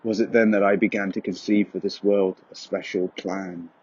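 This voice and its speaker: A man giving a solemn, brooding, measured dramatic narration of dark poetic prose with a husky voice. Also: sits low, little pitch movement, muffled recording. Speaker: voice-over narrator.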